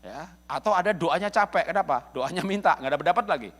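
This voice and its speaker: Animated, bright-voiced male pastor preaching. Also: fairly high pitch, fast. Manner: jokey, addresses congregation as "saudara", chuckles often. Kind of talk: lively humorous sermon. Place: church service.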